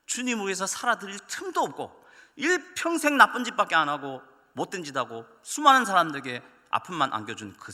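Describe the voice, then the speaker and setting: A man preaching a Sunday sermon as pastor, telling stories with lively acted-out voices. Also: on the high side. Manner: animated storytelling, acting out voices. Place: church sanctuary. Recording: long church hall reverb.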